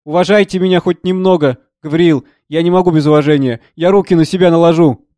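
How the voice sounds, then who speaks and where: Man reading an anxious, tearful middle-aged wife, slightly high voice, dry close read. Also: fairly even intonation, fairly quick, dark tone, dry recording, natural voice. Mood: pleading. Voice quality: tearful, pleading. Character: distraught middle-aged woman, professor's wife, pleading.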